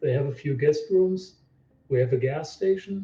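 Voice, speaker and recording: Lively intonation from a somewhat breathy man, fairly high-pitched. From Germany. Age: 60s. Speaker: area researcher and website owner. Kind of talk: interview.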